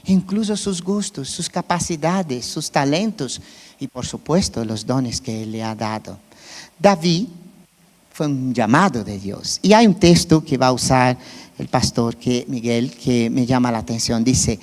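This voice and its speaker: A man's voice: medium pitch, expressive, unhurried, long reverb tail. A Brazilian man who speaks Portuguese as his first language preaches in Spanish with a Brazilian Portuguese accent, keeping it conversational and checking in with his listeners. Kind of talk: sermon. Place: church.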